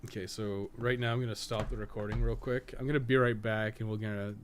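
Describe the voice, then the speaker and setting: A man's voice: fairly low pitch, flat delivery, fast, slight background noise. A man chatting informally and rambling through a live gaming stream, with a fair bit of swearing. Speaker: podcast co-host, game streamer.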